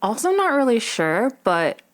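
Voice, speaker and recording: A woman's voice: on the high side, big pitch swings, unhurried. A young woman from Alabama, a podcast guest with a neutral accent, chatting with a lot of likes. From Alabama, United States. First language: Korean. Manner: chatty, storytelling with many likes. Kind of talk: casual chat.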